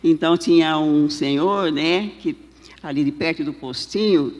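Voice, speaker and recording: A woman giving an emotional church testimony in a halting way, full of filler tags and restarts. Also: low-pitched, a little mellow. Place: large church hall. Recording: long reverb of a church hall.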